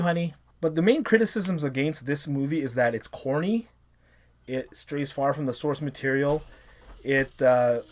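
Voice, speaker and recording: Enthusiastic male movie reviewer. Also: on the high side. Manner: enthusiastic, rambling, with laughs. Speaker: host. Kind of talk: casual movie review vlog.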